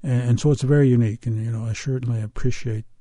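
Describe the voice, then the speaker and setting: An older man from the US Pacific Northwest telling a folk tale and talking about old recordings, in a halting, unhurried way with many pauses and fillers. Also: mid-range voice, steady tone, dark tone, no echo. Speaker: storyteller. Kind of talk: oral storytelling and interview.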